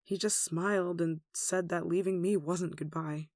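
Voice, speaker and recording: Performer acting out a gentle, soft-spoken nun, dry close sound. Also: mid-range voice, fairly even intonation, a little slow, no echo, close to an everyday voice. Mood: fond, wistful. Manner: tender, soothing, wistful, with sighs and soft chuckles. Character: gentle, protective young nun caring for a sick demon. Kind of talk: ASMR roleplay, soft intimate acting.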